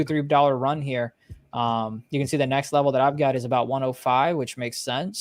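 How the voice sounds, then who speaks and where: A man's voice: mid-range voice, dry recording. A man co-hosting a live stock trading show, chatting casually and thinking aloud about his trades.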